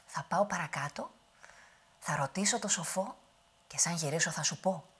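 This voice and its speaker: A woman's voice: lowish voice, a bit bright, breathy edge. Woman playing a brave young wanderer. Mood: earnest.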